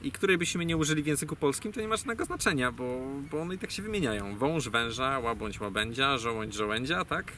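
A man's voice: medium pitch, animated, brisk, hardly any pauses, pushed and bright. A man giving a rambling, digressive explanation in casual talk, full of fillers and self-corrections. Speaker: guest speaker on language origins. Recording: distant mic, faint ambient noise.

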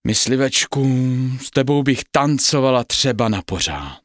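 A man's voice: mid-range voice, sing-song, fairly bright tone, no echo, clean studio sound, voice pushed up. A man voicing a greedy, quarrelsome young village woman in a storybook tale, in a raised, bossy voice. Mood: pleading.

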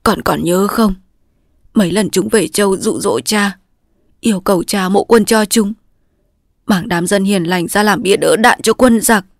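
A woman's voice: medium pitch, unhurried, no echo, studio quality. A woman voicing a dying old father who speaks weakly and solemnly, sometimes in a whisper. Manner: weak, strained, sometimes whispered.

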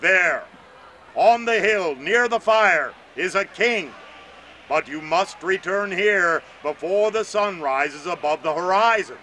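A man voicing a giant black talking bird that questions slowly and calmly in a storybook tale. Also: high voice, slight background noise, full character voice. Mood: probing. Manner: slow, questioning, measured.

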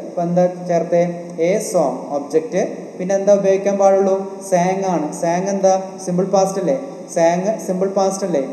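Male exam coach with a Malayali accent, slightly high voice, drilling rules by repetition; roomy reverb. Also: warm tone. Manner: repetitive, asks questions and answers them himself. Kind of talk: online grammar lesson. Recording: echoey room with faint noise.

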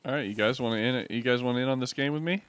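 A man's voice: mid-range voice, very fast, a bit bright. A man in his thirties chatting casually and jokily as he streams a video game. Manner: jokey, chatty reactions. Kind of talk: casual live playthrough commentary. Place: small decorated room, indoors. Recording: game music behind.

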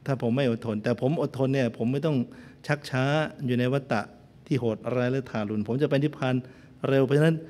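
A male Buddhist monk preaches in a middle-pitched voice, mixing storytelling with teasing jokes aimed at his listeners. His voice carries a long reverb tail, as if recorded in a big hall. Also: fairly even intonation, fairly quick, a little mellow. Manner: playful, joking asides to listeners. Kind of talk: sermon with storytelling.

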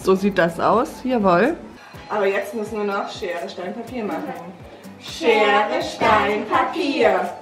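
A woman's voice: medium pitch, normal speed, over loud music. A woman in her thirties chatting casually to the camera and her child as a family vlog host.

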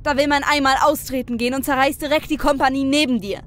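A woman playing an anxious young soldier in an audio drama, with a hurried, worried manner. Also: sits high, fairly even intonation, fairly bright tone. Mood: cursing, urgent. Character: Rotkopf, young soldier with an unusually high voice, anxious.

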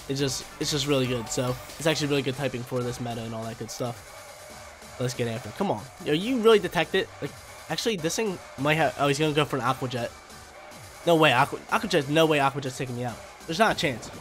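Live over a video game battle, a young male YouTuber commentates in a mid-range voice, speaking rapidly with excitable, slangy hype and coaching himself on his moves. He sounds congested and nasal from allergies, and light game music runs underneath.

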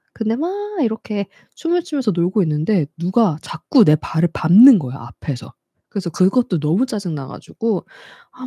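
A woman's voice: lowish voice, breathy edge, no echo, studio quality. A young woman hosting a casual live stream, telling stories with frequent laughs and acting out the people she met. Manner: lively, laughs often, acts out quoted people. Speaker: YouTube host.

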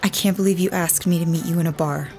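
A woman's voice: on the low side, steady tone, fast talker, a little mellow, soft background music, close to an everyday voice. An actress playing a reproachful, exasperated girlfriend in a radio drama. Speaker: actor.

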